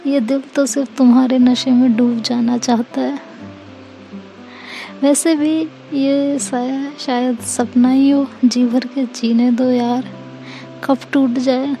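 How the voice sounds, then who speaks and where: A woman's voice: sits high, flat delivery, takes it slowly, dark tone, soft background music. Woman voicing Seerat, a smitten dreamy lover. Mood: lovestruck. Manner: poetic, lovestruck, flirtatious.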